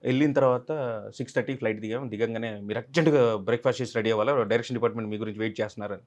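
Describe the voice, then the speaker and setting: A male actor recounts a shoot in an interview. He tells it with energy and slips in quick impressions of the people on set. His voice sits at an ordinary pitch for a man. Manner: animated, acts out others' lines in quotes. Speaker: actor guest. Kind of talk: interview storytelling.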